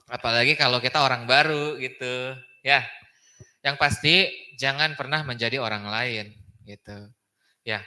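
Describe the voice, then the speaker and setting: A man's voice: medium pitch, a little slow, long pauses, bright, forceful tone. A man giving a casual Islamic study talk in a mosque, chatty and often tagging his phrases with a questioning aside. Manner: chatty, tags phrases with "gitu kan ya". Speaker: preacher.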